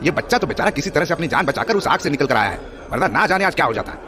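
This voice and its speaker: A man's voice: a little high, very animated, rapid-fire. An actor playing a self-righteous village man in a horror audio drama, harsh and accusatory in his scolding. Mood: earnest, insistent. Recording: noisy crowd and street ambience behind.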